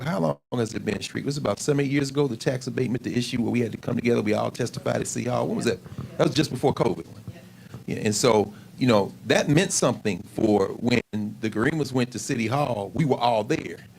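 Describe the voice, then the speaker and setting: A man making casual remarks at a community forum, with quick asides. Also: lowish voice, gravelly, a little hiss or hum, poor audio.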